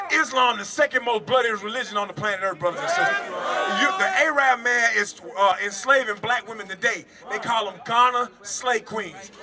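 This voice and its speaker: Shouting in a raised, projected voice over crowd noise, a man with a high pitch and lively intonation goes at a moderate pace with hardly any pauses. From Jackson, Mississippi; Mississippi. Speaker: street preacher. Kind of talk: street preaching. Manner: loud, yelling. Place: street. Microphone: handheld.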